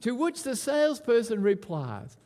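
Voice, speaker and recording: High, lively preacher at a pulpit microphone. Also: male voice, moderate pace, big-room sound. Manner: animated, repeats words as he restarts. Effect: speaking at a pulpit microphone. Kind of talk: expository sermon.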